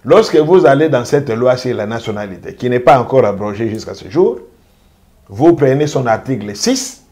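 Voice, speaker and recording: A man speaking as a jurist gives an interview. His voice sits at an ordinary middle pitch. He builds a deliberate, emphatic argument, stressing each point and repeating it. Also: lively intonation, darkish tone. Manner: emphatic, measured legal argument with deliberate repetition. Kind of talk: interview commentary.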